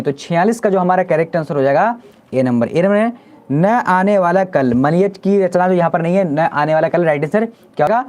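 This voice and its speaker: Brisk high-voiced male teacher. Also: darkish tone. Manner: brisk quiz-style questioning, repeats each answer. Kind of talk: live online exam-prep class.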